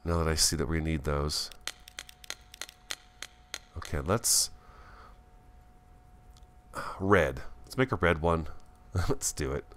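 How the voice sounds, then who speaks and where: A man giving casual, chatty gameplay commentary as a host, thinking aloud and easily excited, talking with a swollen, bitten tongue. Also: rumbling low, takes it slowly, pauses often. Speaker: gaming video host.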